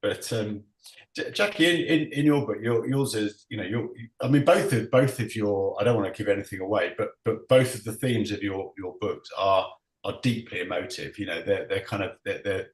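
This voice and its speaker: With a fairly low pitch and a moderate pace, a man leads a panel discussion online through a video call. He keeps stumbling and repeating words, laughing often, and the sound carries a roomy echo.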